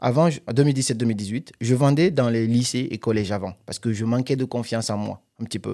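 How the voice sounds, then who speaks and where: This man's voice has a dark, mellow tone at a medium pitch, with ordinary pitch variation. He keeps a moderate pace on a very clean recording with a silent background. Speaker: life coach and content creator. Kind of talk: interview.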